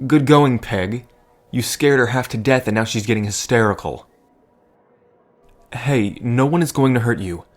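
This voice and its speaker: A man playing a gentle, nervous bartender who rambles earnestly and hesitantly, in an intimate audio drama. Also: mid-range voice, moderate pace, lightly acted. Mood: protective, soothing. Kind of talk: intimate audio drama acting addressed to listener.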